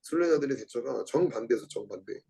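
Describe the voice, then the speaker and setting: A male Bible study lecturer with a gravelly, expressive voice talks fast on a rough recording. He reads a book aloud with commentary, repeats key words, and questions his listeners. When he acts out quotes, he dramatizes them with sudden jumps in pitch and loudness.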